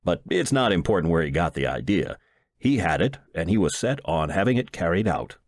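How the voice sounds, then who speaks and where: Low-voiced, lively male storyteller. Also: brisk, no echo, studio quality. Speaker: audiobook narrator. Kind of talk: first-person storybook narration.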